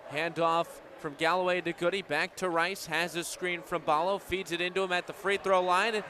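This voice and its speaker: Crowd and gym noise surround this live sports radio call from a venue. The play-by-play man, an American in his twenties, speaks high, bright, and forceful, keeping a steady tone at a moderate pace.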